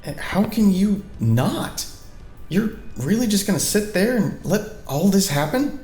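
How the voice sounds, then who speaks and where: Man playing a gravelly, wry know-it-all. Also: high-pitched, sing-song, unhurried, darkish tone, echoey room, soft background music, heavily acted. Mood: earnest, insistent. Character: earnest, teasing, know-it-all man, gently persistent. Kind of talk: naturalistic audio drama acting.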